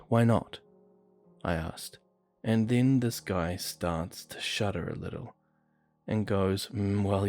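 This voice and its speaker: A man reading true horror stories aloud in a steady, measured storytelling manner. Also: low voice. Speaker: narrator. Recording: faint music behind voice.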